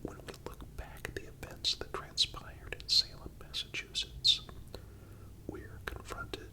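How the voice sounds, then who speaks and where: Very slow, hushed ASMR whisper. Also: poor audio. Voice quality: whispered, breathy. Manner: calm, deliberate, with frequent pauses. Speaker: host and narrator. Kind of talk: ASMR scripted historical narration.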